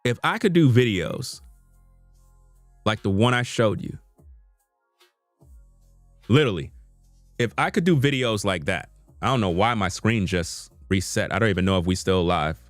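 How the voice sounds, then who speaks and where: A man's voice: fairly low pitch, expressive, moderate pace, long pauses, no room sound, faint music behind. A man, talking to his viewers in an unscripted live stream from his computer, earnest and repetitive, with informal slang. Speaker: YouTube content creator. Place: home room at a computer.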